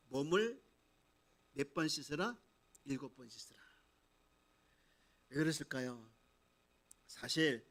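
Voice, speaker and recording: A male pastor preaching a sermon, asking the congregation questions and dramatizing the story. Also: fairly high pitch.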